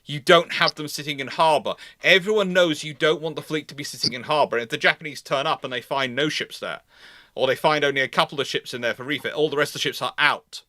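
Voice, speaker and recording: Male history host, bright forceful voice, close dry sound, emphatic and repetitive as he reasons aloud. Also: on the high side, fast, no room sound. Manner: emphatic, repeats phrases, rephrases mid-sentence. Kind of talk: live question-and-answer talk on naval history.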